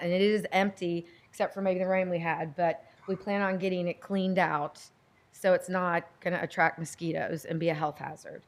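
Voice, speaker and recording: A middle-aged woman with a loud voice giving informal testimony at a public meeting, earnest, defensive and rambling. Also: fairly low pitch. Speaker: property owner addressing a board. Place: indoor public meeting room.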